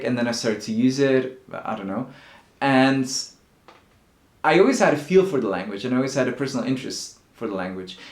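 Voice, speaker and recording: A Dutch language teacher, whose first language is Dutch, talks casually to the camera in an echoey room, explaining things in a mid-range voice. He's thoughtful and repeats words while he hunts for the right phrasing.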